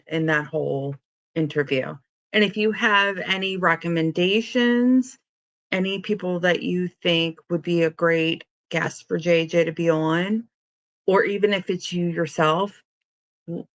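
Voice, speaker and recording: Slow-talking woman co-host, dull sound. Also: fairly low pitch, no echo. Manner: halting, repeats words. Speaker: livestream co-host. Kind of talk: casual livestream announcements.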